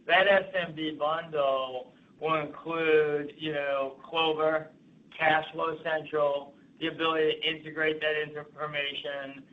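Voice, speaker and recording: Halting male executive on a phone line. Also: a little high, little pitch movement. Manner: halting, repeats and restarts phrases. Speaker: company executive. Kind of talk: earnings call Q&A, off-the-cuff business commentary. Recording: thin phone-line sound.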